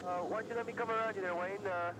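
A man's voice: high-pitched, fairly even intonation, rapid-fire. An actor playing a male trucker talking to another driver over a CB radio. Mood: calm. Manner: urgent radio talk. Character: male trucker guiding his buddy down a hill. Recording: loud truck engine noise.

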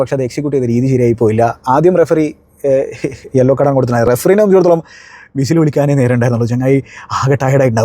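A man's voice: on the high side, dark tone, dry recording. A man reviewing a football match in a conversational analyst style, breaking into emphatic exclamations.

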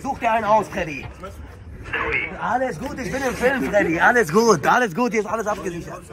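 A young man with a high voice jokes loudly in street slang, hosting a vlog with his friends. He speaks in a roomy indoor space. A chattering crowd is clearly heard around him. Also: animated, a little fast, recorded from a distance. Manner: loud, joking, full of street slang. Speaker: vlogger. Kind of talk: joking group vlog chat. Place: prison-themed hotel, indoors.

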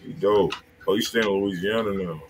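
A man's voice: on the low side, fairly even intonation, normal speed, noisy background. An American man chatting casually and in slang as host of a music review livestream, often repeating himself.

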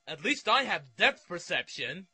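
A man voicing an awkward, deadpan young henchman in a fan parody dub. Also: high-pitched, unhurried, breathy edge, exaggerated voice.

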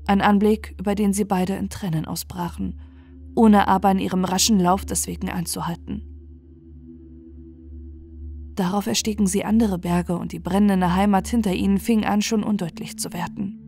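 A woman narrating a scripted fairy tale for bedtime in a measured, expressive storytelling manner. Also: medium pitch, vocal fry, soft background music.

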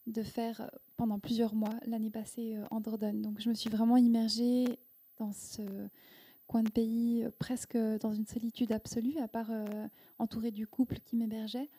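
Guest author, woman in her thirties, Korean as first language; higher-pitched but very warm, mellow tone, handheld mic, halting reflective delivery. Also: little pitch movement, slightly rough. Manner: thoughtful, halting, with many restarts and fillers. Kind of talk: reflective interview answers. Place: indoor event room with audience. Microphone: handheld microphone.

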